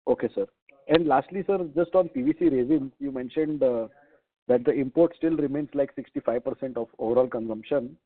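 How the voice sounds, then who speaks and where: A man's voice: medium pitch, lively intonation, brisk, vocal fry. A man with an Indian accent, an analyst politely asking questions on an earnings call. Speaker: financial analyst. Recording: narrow phone-line sound.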